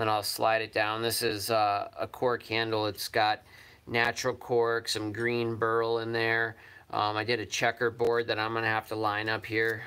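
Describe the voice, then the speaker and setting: The voice has a bright, sharp tone and a flat, monotone intonation. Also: man, moderate pace. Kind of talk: tutorial. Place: workshop. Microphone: phone near.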